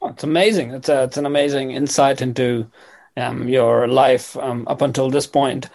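A man's voice: mid-range voice, fairly even intonation, normal speed, vocal fry, darkish tone. A man hosting a community radio interview, friendly and rambling with many fillers. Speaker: radio host.

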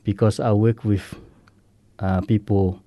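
A man from Samoa with a Samoan accent tells his story in earnest, halting English, the grammar simple and searching. His voice is mellow and dark, and the recording is close and dry. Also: fairly low pitch, little pitch movement, no echo. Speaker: guest sharing recovery story. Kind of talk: radio interview.

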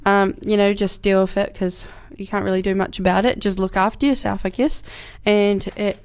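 A young woman with a New Zealand accent talks casually on her community radio show. She has a cold but her voice stays smooth and clear, at a middle pitch. She rambles loosely, with plenty of fillers and restarts. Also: steady tone, normal speed, a little mellow. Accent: New Zealand English. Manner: rambling, many fillers and restarts, laughs often. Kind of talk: casual solo radio talk. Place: radio studio.

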